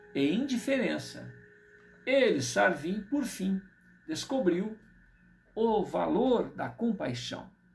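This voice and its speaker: A man talks very slowly with music playing in the background. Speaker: reader of a spiritual text. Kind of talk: reading aloud with commentary. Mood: calm, reflective. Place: home room. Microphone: webcam.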